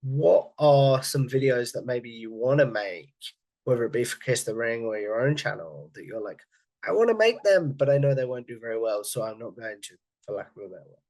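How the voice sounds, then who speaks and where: A man's voice: medium pitch, very animated, fairly quick, darkish tone, poor audio. Guy hosting an interview, picks his words carefully, mid-range voice. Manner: careful, rephrases his questions. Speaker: podcast host. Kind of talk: interview questions.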